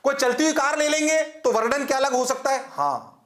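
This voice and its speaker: A man's voice: very high-pitched, a little fast, fairly bright tone. A man from India teaching a physics class in a lecture style, firing questions at students, answering them himself, and checking again and again that they understand. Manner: mixes English terms into Hindi speech, repeats checks for understanding. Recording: echoey classroom.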